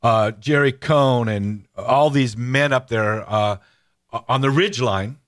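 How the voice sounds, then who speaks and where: A middle-aged man hosts a radio talk show and chats casually with his guest. He tells stories with animated energy, stopping and restarting his sentences, and his voice sits at an ordinary middle pitch. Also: slow pace. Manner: animated storyteller, many restarts and fillers. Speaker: host. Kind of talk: casual radio interview chat.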